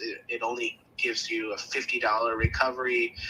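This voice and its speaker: A male voice over noticeable background noise. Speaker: consumer law attorney. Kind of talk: live Q&A interview. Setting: live stream.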